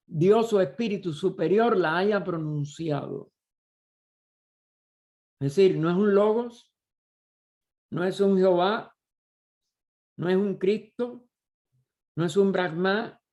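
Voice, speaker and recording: A man leading a study group, explaining a text slowly and deliberately, often pausing and restarting as he searches for words. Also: sits high, a little mellow. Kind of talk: slow explanatory study lecture.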